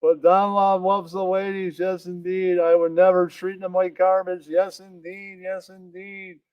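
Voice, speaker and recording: A man's voice: high voice, little pitch movement, measured pace, clear, resonant tone, no room sound, dull audio. A man voicing a smug, boastful puppet creep who repeats himself with self-satisfaction in a puppet show.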